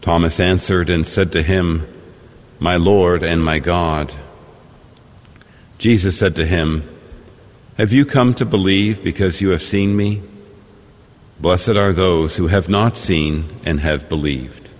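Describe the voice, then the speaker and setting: A man serving as priest, reading the Gospel and preaching a homily in a measured, deliberate way, his voice ringing with cathedral echo. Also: low voice. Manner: measured, deliberate delivery with pauses. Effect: cathedral echo, long church reverb. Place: large church. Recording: long reverb of a large church.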